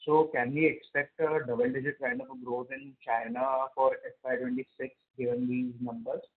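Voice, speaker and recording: A man's voice: medium pitch, little pitch movement, normal speed. A man calling in as an investor, asking polite, prepared questions on a conference call. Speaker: investor caller. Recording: tinny phone line.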